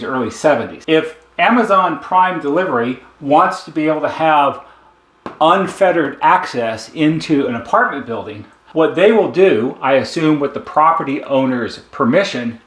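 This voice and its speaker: A man with a voice a little higher than most talks through an explanation casually. He is plain-spoken and conversational, going step by step like a working technician presenting. The sound is strongly echoey and roomy. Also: a bit bright. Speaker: intercom service technician and presenter. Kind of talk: casual explainer talk with a diagram.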